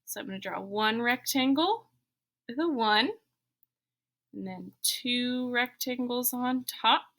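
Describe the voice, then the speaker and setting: A slightly bright, higher-than-average voice speaks slowly: an elementary school teacher. She steers children through a drawing lesson step by step, keeping instructions simple and supportive while thinking out loud.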